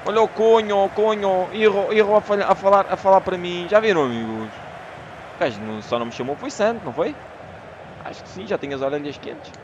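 A man with a European Portuguese accent giving excitable, shouting commentary while playing a football game. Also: high-pitched, fast talker, lo-fi sound, background noise. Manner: excitable, shouts at the game, calls players by name. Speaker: gamer. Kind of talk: gameplay commentary.

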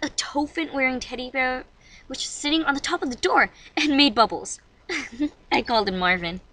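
Woman acting a sweet, high-voiced young girl. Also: moderate pace, a bit bright, recorded from a distance. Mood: fond, wistful.

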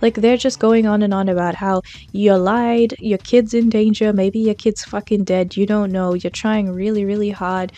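Mellow-voiced woman chatting commentary. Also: medium pitch, fairly even intonation, moderate pace, few pauses, no room sound, highs cut off. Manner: chatty, frequent "like" fillers. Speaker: true-crime commentary YouTuber. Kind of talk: casual commentary.

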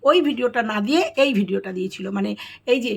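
Chatty high-voiced woman vlogger. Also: a little fast, vocal fry. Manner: chatty, hesitant with many fillers. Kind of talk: casual commentary to viewers.

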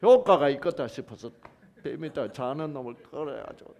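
A man's voice: medium pitch, lively intonation, moderate pace, gravelly, a little mellow. A man retelling a Bible story as a lecture, firing off rhetorical questions to his listeners. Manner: keeps asking rhetorical questions. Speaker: health lecturer teaching the Bible.

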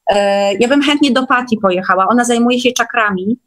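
A woman's voice: a little high, brisk, fairly bright tone. A woman chatting casually as an online guest, with an enthusiastic, emphatic way of talking. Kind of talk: casual chat.

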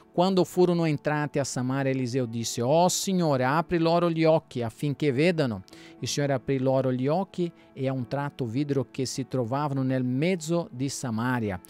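Man reading scripture over faint music. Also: medium pitch. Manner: plain steady reading with small slips and restarts. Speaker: pastor. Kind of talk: Bible reading aloud.

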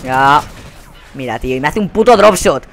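Foul-mouthed Spanish gamer yelling at his match. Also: medium pitch, lively intonation, moderate pace, vocal fry, slight background noise. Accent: Spain Spanish. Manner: profane, exasperated ranting with sudden yelled outbursts. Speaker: gaming channel host. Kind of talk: live gameplay commentary.

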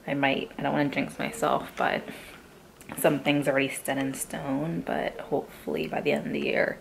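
A young woman with a raspy morning voice, chatting casually to her camera from a hotel room. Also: low voice, level tone, normal speed, a little hiss or hum, rough recording. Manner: chatty, filler-heavy, rambling. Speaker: vlogger. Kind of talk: casual vlog chat.

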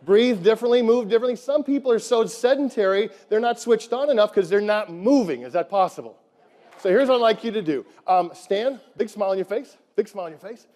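A middle-aged man giving an energetic motivational keynote on a conference stage, repeating phrases and firing questions at the crowd. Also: high-pitched, fairly quick. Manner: emphatic, repeats phrases, asks the crowd questions, leads chants. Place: large conference hall on stage. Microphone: headset mic. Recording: live hall with long reverb.

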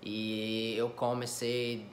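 A young man with an American English accent, a native English speaker, chatting casually and haltingly as he searches for words in his learned language. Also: on the low side, completely flat delivery, slight background noise. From United States. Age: young adult. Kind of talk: casual question-and-answer chat. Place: small living room, on a couch.

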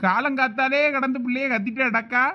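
A man's voice: very high-pitched, steady tone, fairly quick, sharp tone, heavily acted. A doting village father. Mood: indulgent. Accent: Thoothukudi Tamil. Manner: soothing, indulgent toward his daughter. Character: doting village father who spoils his daughter. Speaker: father in a family comedy skit.

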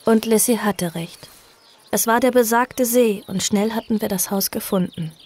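An actress playing an earnest, cautious girl who recounts her story in a horror audio drama, measured and reflective. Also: medium pitch, a little mellow, natural voice. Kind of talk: audio drama narration and dialogue. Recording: music behind the voice.

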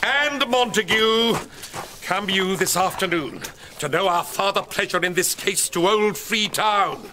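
A man's voice: high voice, a little slow, bright, forceful tone, slight background noise, poor audio. A man playing an angry, stern prince, delivering commanding, formal proclamations in declamatory Shakespearean radio style. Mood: stern judgment. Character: stern, angry prince rebuking his brawling subjects.

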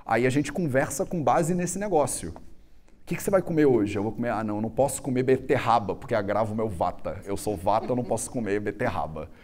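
A man, giving a joking, animated public talk on a stage into a handheld microphone. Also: medium pitch, quick pace. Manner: animated, joking, gestures a lot. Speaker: Ayurveda speaker giving a talk. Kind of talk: lively informal public talk. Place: stage in a large indoor hall.

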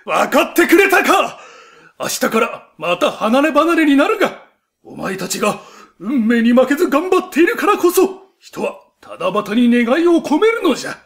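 A man's voice: very high voice, big pitch swings, moderate pace, gravelly, heavily acted. A man voicing a proud, doting old heavenly emperor who explains things in old-fashioned elder's speech for an educational story. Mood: solemn, encouraging. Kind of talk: scripted educational story narration.

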